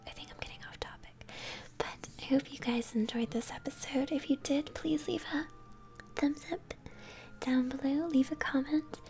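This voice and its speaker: A young woman whispering gently as she hosts an ASMR let's-play, commenting on a game. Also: high-pitched, moderate pace. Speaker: host, gamer. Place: small room at home, indoors.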